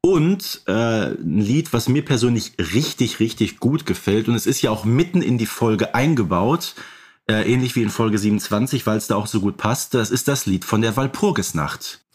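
A man's voice: on the low side, lively intonation, moderate pace, darkish tone, breathy edge. A man co-hosting a podcast, talking casually and conversationally as a fan. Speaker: podcast co-host.

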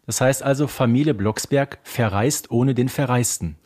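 A man's voice: mid-range voice, normal speed, a little mellow. A man co-hosts a podcast, talking casually and conversationally. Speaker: podcast co-host.

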